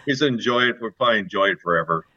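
A man talking as a guest co-author in a casual interview, relaxed and halting with lots of fillers. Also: on the low side, muffled recording.

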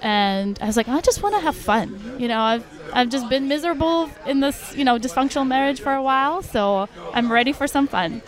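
Frank woman from Russia, slightly high voice. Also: animated, brisk, hardly any pauses. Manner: open, frank, talks freely with many likes and you knows. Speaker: podcast guest. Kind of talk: candid casual chat.

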